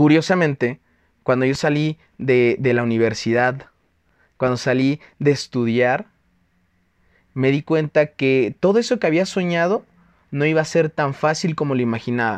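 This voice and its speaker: A man with a fairly high pitch and ordinary pitch variation speaks at a moderate pace with long, frequent pauses, in a dry, close sound with no echo and a quiet background. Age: 20s. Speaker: network marketing team member. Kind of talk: motivational talk. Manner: energetic.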